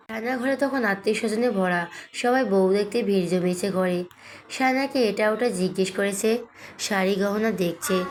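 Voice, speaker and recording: A woman narrating a romantic audio story in a steady storytelling delivery. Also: mid-range voice, a little hiss or hum.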